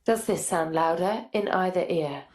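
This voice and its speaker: A woman's voice: on the low side, moderate pace, a little mellow. A woman acting as a clinician, giving polite, simple step-by-step instructions to a patient. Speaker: clinician demonstrating an examination. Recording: echoey room.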